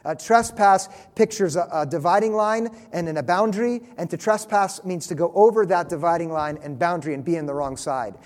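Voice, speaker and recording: A man preaching a sermon, earnest and emphatic, slowing down to stress key phrases. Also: sits high. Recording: long reverb of a large hall.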